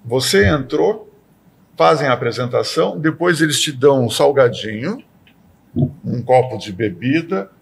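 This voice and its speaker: A man in a podcast discussion who explains ideas with lively acted-out examples. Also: mid-range voice, unhurried, vocal fry, slight background noise. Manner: animated, acts out everyday sayings in quoted voices. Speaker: podcast panelist.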